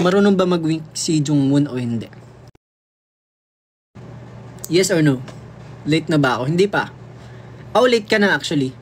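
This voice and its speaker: A young man from the Philippines hosts a casual livestream into a phone, with a voice that sits a little higher than most men's. He chats in a playful, easygoing way, reading viewer comments aloud and answering them, and he hops between languages mid-sentence. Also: a little hiss or hum. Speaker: livestream host.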